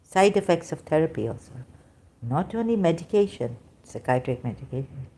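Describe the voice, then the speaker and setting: A woman giving an unscripted personal monologue to camera, halting often and searching aloud for the right words. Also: low voice, expressive, mellow, slightly rough. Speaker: vlogger.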